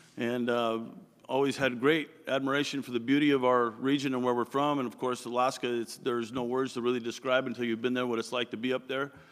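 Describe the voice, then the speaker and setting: A man with a Pacific Northwest accent, monotone and flat in intonation, at a very fast pace. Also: medium pitch for a man. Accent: Pacific Northwest American. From US Pacific Northwest, Anacortes, Washington. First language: Croatian. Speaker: political candidate. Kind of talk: campaign speech at candidate forum.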